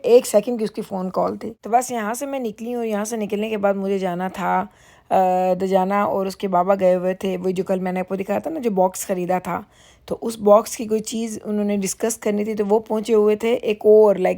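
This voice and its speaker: Chatty middle-aged woman with gravelly voice. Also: mid-range voice, warm tone. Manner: chatty, rambling, laughs easily. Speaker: vlogger. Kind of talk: casual vlog chat. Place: car while driving, then dealership lounge.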